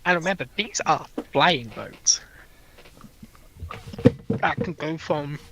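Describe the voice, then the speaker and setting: A man's voice: fairly high pitch, animated, slow, background noise. A man taking part in a casual technical discussion, offering commentary in a conversational way. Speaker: discussion participant.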